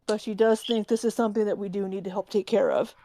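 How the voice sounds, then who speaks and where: A stuffed-up woman player chatting casually in an online tabletop game, speaking into a mic low by her neck, laughing easily. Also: fairly even intonation, fast talker, mellow, slight background noise. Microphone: microphone down by her neck.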